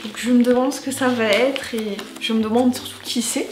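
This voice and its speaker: High-voiced woman in an echoey room. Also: fairly even intonation, moderate pace, darkish tone, faint music behind. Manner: chatty, enthusiastic, reads a letter aloud. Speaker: youtuber. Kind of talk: casual vlog unboxing. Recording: roomy echo.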